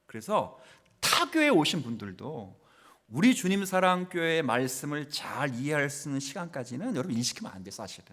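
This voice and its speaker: A male pastor preaching a sermon to his congregation. He asks the listeners questions, and he swings from loud exclamations to hushed near-whispers. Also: on the high side, big pitch swings, fairly quick. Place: church sanctuary.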